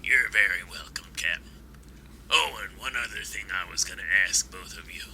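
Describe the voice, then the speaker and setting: An actor playing a kindly, folksy old man in an audio drama, talking in an unhurried way. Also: low-pitched, bright, forceful tone, slight background noise, heavily acted, rough recording. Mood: warm, reflective. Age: older.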